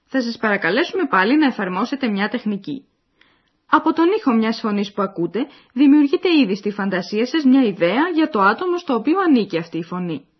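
A woman's voice: on the high side, very animated. Woman narrating a language lesson. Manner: clear, explaining, addresses listeners. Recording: dull lo-fi recording.

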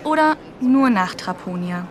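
An actress playing a polite, businesslike airline ticket clerk in a radio drama, helpful and formal. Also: female voice, mid-range voice, animated, measured pace, slight background noise, lightly acted. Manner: formal, helpful, clear service talk.

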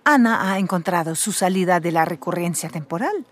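A woman's voice: on the low side, lively intonation, a little fast, close to an everyday voice. A woman playing a teasing, instructive guide who explains scenes in a scripted radio drama. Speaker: narrator figure guiding Harry.

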